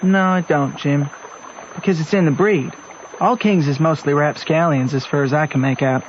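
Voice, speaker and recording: Man acting a high-voiced, folksy country boy. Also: normal speed, slight background noise, lightly acted. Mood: matter-of-fact. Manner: folksy ungrammatical drawl, matter-of-fact. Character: plain-spoken, wry country boy telling his adventures. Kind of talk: old-time radio drama narration. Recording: muffled old radio recording.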